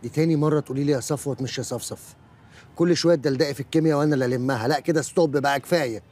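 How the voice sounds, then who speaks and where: A man's voice: fairly high pitch, racing, a little mellow, lightly acted. An actor playing a touchy, defensive man breaking up with his partner, with an Egyptian Arabic accent. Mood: indignant. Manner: defensive, melodramatic.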